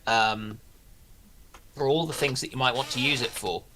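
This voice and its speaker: A man's voice: medium pitch, normal speed, sharp tone, slight background noise. A man speaking as a panellist in casual chat, hesitant as he searches for his words.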